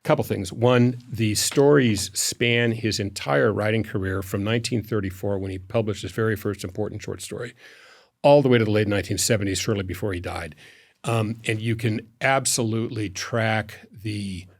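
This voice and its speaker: A man with a fairly low voice answers as an interview guest. He talks reflectively and in a measured way, pausing as he lays out anecdotes. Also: steady tone. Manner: measured, anecdotal storytelling with pauses. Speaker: foundation president, interview guest.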